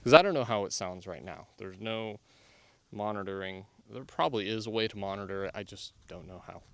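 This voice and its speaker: Testing tiny wireless clip-on mics in the wilderness, a vlogger who reviews camera gear rambles casually, thinking aloud as he moves the mic around, with wind now and then. His fairly low voice is brisk, creaky, and a bit bright. No room sound comes through.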